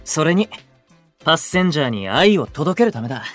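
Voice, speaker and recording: An actor playing a brash, cocky young male idol in a Japanese voice drama, with blunt, swaggering, rough speech. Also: fairly high pitch, very animated, fairly quick, fairly bright tone, soft background music. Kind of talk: Japanese anime-style voice drama acting.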